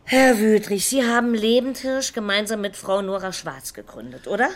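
A woman playing a composed, persistent police investigator in a crime radio drama, with a measured, formal, probing way of speaking. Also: medium pitch, lightly acted. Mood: probing, controlled.

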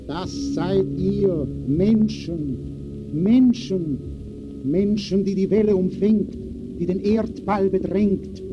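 An actor playing a solemn, urgent announcer who declaims rhythmic verse in 1920s expressionist radio-play style. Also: male voice, sits high, takes it slowly, music in the background. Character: solemn, urgent poetic announcer calling to the masses. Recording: dull, noisy old radio recording.

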